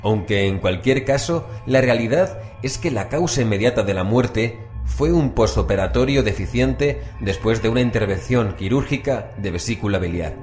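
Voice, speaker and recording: A male radio co-presenter from reads a scripted biographical piece. His voice sits fairly low, with faint music underneath. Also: moderate pace, a little mellow.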